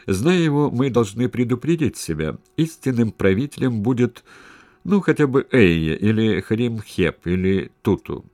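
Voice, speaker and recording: A man reading an audiobook, voicing a shrewd, cautious conspirator who reasons in a measured, persuasive way. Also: medium pitch, sing-song, a little mellow, no echo, voice pushed up, close to an everyday voice. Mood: scheming. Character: shrewd, cautious male conspirator, calm schemer.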